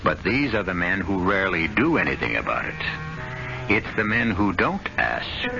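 A man narrating a mystery show with ominous, theatrical delivery, his low voice swinging widely in pitch. Loud music plays behind him, and the recording is dull and lo-fi, like vintage radio. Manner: ominous, dramatic, rhetorical. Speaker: radio drama host.

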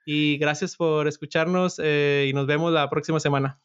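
A man's voice: a little high, flat delivery, moderate pace, clean tone, lo-fi sound. A man hosting a casual podcast chat in an easygoing, joking way. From Latin America. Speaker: podcast host.

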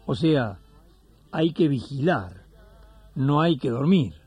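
A man's voice: mid-range voice, big pitch swings, takes it slowly. An Argentine man hosting a religious radio program and telling stories in a colloquial, folksy way. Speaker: radio host and storyteller. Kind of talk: warm religious radio address and storytelling.

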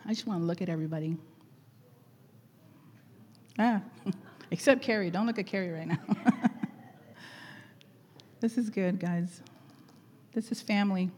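A middle-aged woman leading a church gathering, chatty and laughing often, her voice going hoarse. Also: lowish voice, a little slow, pauses often, a little mellow, a little hiss or hum. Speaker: church leader. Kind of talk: warm casual church greeting and exhortation.

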